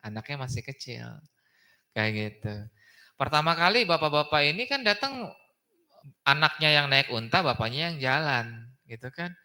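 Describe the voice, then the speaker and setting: With a fairly high, very animated voice that comes across pushed and bright, a man talks at normal speed with long pauses. He is a preacher giving an informal Islamic study talk in a mosque, chatty and frequently adding the aside "gitu kan ya".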